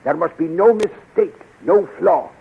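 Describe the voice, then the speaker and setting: Tinny old radio, high-voiced eager scientist. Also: male voice, a little slow, vocal fry, a little hiss or hum. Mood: earnest. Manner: precise, earnest, emphatic repetitions. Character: eager, fastidious scientist-inventor, excitable and deferential. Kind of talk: 1930s radio serial acting. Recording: muffled, tinny 1930s radio recording.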